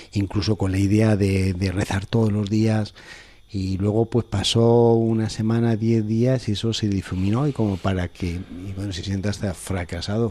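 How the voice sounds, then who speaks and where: Guy hosting an interview, lowish mellow voice, dry close sound. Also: no echo. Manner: reflective, builds points with examples. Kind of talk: conversational interview.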